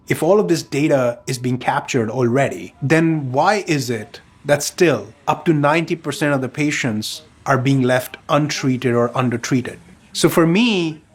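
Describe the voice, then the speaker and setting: A man giving documentary interview testimony in a deliberate, explanatory way, posing questions and then answering them. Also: medium pitch, breathy edge. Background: guitar music.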